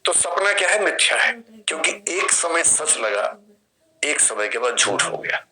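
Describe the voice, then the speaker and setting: A man's voice: a little high, very animated, a little slow, bright, forceful tone. A man in his fifties with an Indian accent, giving a classroom lecture and explaining through questions and vivid examples. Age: 50s. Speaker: philosophy teacher.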